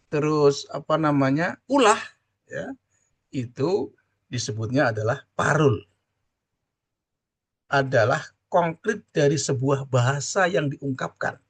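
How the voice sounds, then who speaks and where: A middle-aged man from Java, giving an online class lecture and explaining slowly, with a "ya" tagged onto nearly every point. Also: on the high side, a bit bright, breathy edge. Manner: drawn-out explaining with constant "ya" tag questions. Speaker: university lecturer.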